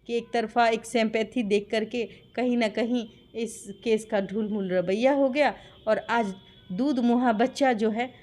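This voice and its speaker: A woman's voice: fairly high pitch, steady tone, unhurried, darkish tone. A woman with a Bihari accent giving impassioned interview testimony, insistent and full of rhetorical questions. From Bihar, India. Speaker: interviewee giving her account of a dispute.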